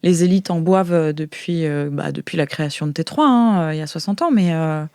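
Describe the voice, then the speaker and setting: A naive young woman from a sci-fi future, acted by a woman in an audio role-play, speaks in a lowish, dry-recorded voice. She is eager and earnest, often puzzled, and explains her world hesitantly. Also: fairly quick, mellow, clear, resonant tone, dry recording.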